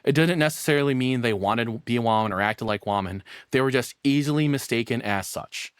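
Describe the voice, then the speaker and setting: A man's voice: medium pitch, brisk, clean tone, no room sound, studio quality. A man giving casual, off-the-cuff reaction commentary, rambling and blunt, with plenty of swearing. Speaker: streamer reacting to a video.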